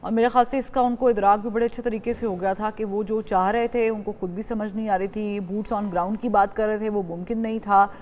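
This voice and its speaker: A woman's voice: medium pitch, fairly even intonation, brisk, hardly any pauses, darkish tone. A woman with a Pakistani accent interviewing as a news anchor, switching into English phrases. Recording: reverberant room sound.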